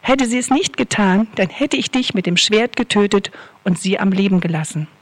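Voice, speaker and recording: A woman's voice: medium pitch, expressive, normal speed, lightly acted. A woman preacher voicing a stern, sword-bearing angel who speaks solemnly.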